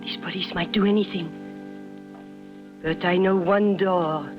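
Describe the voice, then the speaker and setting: A woman's voice: fairly low pitch, fairly even intonation, a little slow, lightly acted. An actress playing a passionate young woman fleeing the police with her lover, speaking in dramatic, formal, urgent phrasing in a 1950s radio drama. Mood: hushed. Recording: muffled 1950s radio broadcast with music.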